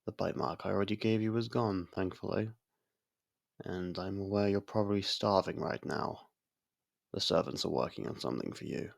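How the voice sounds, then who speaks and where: In an intimate ASMR roleplay, a man plays an aloof, centuries-old vampire who grudgingly looks after a human. His low voice is gravelly and husky, measured and slightly haughty, with a halting delivery that carries grudging concern.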